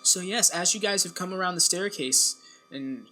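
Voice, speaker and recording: A woman narrating a tabletop game as game master, chatty and quick to laugh. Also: on the low side, bright, forceful tone, faint music behind. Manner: chatty, laughs easily, rambling.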